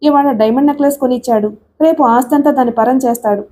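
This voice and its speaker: A woman's voice: high-pitched, fast talker, mellow, a little hiss or hum, natural voice. A woman reading the part of a tearful, jealous young wife who complains bitterly.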